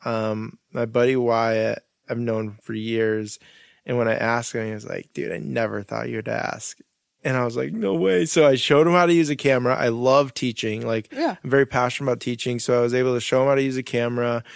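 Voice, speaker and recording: A man speaks in an unremarkable speaking voice at a medium pitch and a fairly quick pace. His pitch variation is ordinary, on a very clean recording with a silent background. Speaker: photographer. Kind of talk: casual chat. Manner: swears often, laughs a lot, casual.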